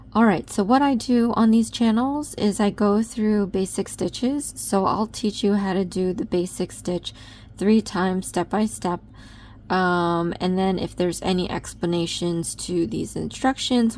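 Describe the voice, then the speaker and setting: A woman's voice: medium pitch, creaky, darkish tone, slight background noise. A woman giving a chatty step-by-step crochet tutorial, with frequent ums. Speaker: crochet instructor.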